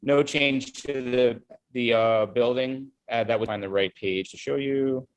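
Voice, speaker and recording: Guy on a glitchy conference call from a job site, slow and halting, lots of ums, smooth voice. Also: medium pitch, fairly even intonation, rough recording. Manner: hesitant, halting delivery with many fillers. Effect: remote conference-call audio that breaks up. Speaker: project representative presenting plans to a committee. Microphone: calling in over an internet connection.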